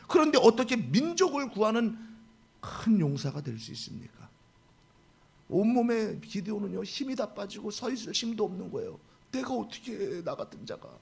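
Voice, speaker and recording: Male pastor in his forties, animated sermon delivery, high husky voice. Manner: animated, acts out dialogue in quotes.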